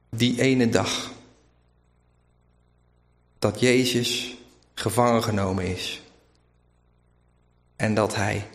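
A preacher with a mild Zeeuws-Vlaams lilt tells a story from the pulpit, voicing its characters as he goes. His voice sits at an ordinary middle pitch. It carries through a roomy hall that rings with a long reverb. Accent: Zeeuws-Vlaams Dutch. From Zeeland, Netherlands. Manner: storytelling, shifting into quoted voices, emphatic. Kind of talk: sermon.

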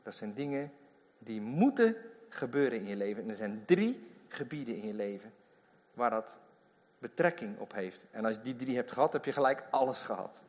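A man preaching a lively sermon in a church, full of emphatic asides. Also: mid-range voice, moderate pace. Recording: long hall reverb.

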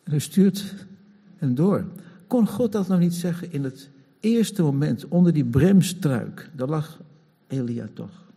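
Gravelly preacher in a reverberant hall. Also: male voice, fairly high pitch, expressive, a little slow, warm tone. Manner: conversational, chuckling, acts out quoted complaints. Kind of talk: sermon.

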